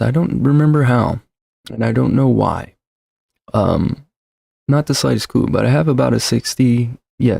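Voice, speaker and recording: Gravelly-voiced man rambling on a livestream. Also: medium pitch, warm tone, no echo. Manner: rambling, self-deprecating, many fillers and restarts. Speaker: livestream host. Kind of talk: casual livestream chat. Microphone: desk mic with shock mount.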